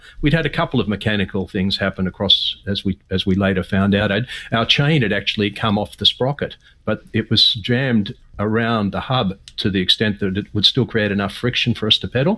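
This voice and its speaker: A bright, sharp tone at a fairly quick pace, with ordinary pitch variation and an Australian accent. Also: man, fairly low pitch for a man. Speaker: cycling club chairman and record-setting cyclist. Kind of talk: radio interview. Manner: halting, with fillers and restarts.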